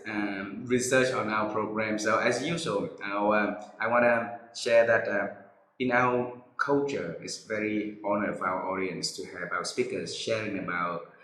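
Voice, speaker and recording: A man's voice: on the low side, steady tone, fairly bright tone. Polite man hosting, echoey room. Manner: halting, polite. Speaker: interview host. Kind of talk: hosted interview.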